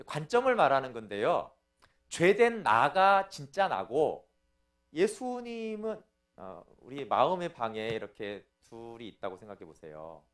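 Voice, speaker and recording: Lively, animated Korean pastor teaching. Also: male voice, mid-range voice, measured pace. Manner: explanatory, checks in with listeners by asking "right?". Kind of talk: sermon lecture.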